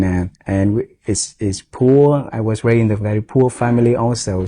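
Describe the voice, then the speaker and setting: A man's voice: mid-range voice, warm tone. A man in his forties with a Vietnamese accent, hosting an interview and speaking earnestly with non-native English phrasing. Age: 40s. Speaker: host.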